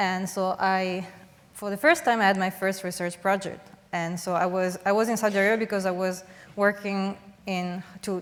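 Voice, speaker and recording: Woman with an Italian accent, medium pitch, a moderate pace, and monotone, flat intonation. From Italy. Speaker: plant biology researcher. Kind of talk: panel talk. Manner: halting.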